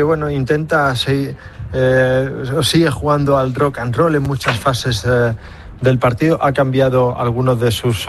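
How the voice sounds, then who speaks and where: A man analyses football at an unhurried pace, hesitating now and then as he picks his words. His voice sits in a middle register. A faint hiss of noise lies beneath him. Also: medium pitch. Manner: measured, frequent hesitations. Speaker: football pundit. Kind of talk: radio sports analysis.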